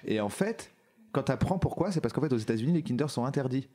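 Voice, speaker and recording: A man's voice: mid-range voice, animated, quick pace, dark tone. A man on a talk show panel chatting casually and telling anecdotes in an informal, emphatic way. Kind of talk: casual chat.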